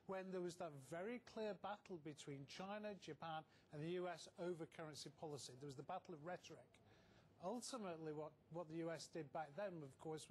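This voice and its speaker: A man speaking as a market analyst in a live news interview, explaining in a measured way and repeating words for emphasis. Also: high voice, darkish tone, slight background noise.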